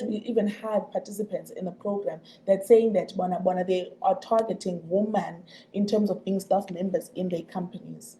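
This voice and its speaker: A woman with a Xhosa South African accent explaining in a radio interview, haltingly and with repeated words. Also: mid-range voice, warm tone, a little hiss or hum, low-quality recording. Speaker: programme representative being interviewed. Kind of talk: radio interview, mixing two languages.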